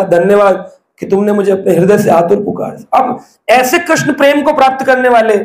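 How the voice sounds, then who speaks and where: A preacher with an extremely high-pitched voice delivers a devotional discourse in a roomy-sounding space. He tells stories and puts rhetorical questions to his listeners.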